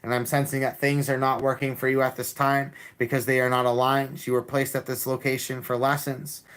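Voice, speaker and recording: Male tarot streamer, calm and level delivery, repeats lines, restarts often. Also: mid-range voice, a little fast, clear, resonant tone. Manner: calm, repetitive, with many restarts. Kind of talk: live-stream tarot reading and chat.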